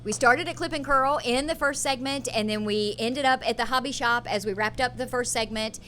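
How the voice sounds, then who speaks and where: A woman's voice: a little high, fairly quick, pushed and bright, slight background noise. A woman hosting a radio show, chatting in a bubbly way and laughing often. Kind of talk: casual chat.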